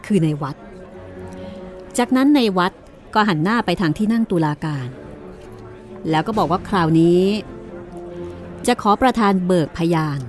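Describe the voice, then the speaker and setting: A woman's voice: mid-range voice, animated, a little slow, pauses often, a little mellow, faint music behind. A woman narrating a courtroom mystery story in a storytelling style.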